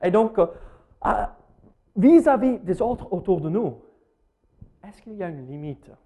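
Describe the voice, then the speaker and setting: High-voiced man with an American accent preaching. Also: expressive, a little slow, dark tone. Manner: hesitant, many fillers, asks the audience questions. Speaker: pastor. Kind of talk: sermon.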